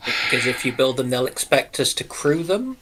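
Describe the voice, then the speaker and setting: A man's voice: medium pitch, big pitch swings, normal speed, pushed and bright, slightly rough, low-quality recording. A man joining a live chat late, joking in a dry, wry way. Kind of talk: casual chat.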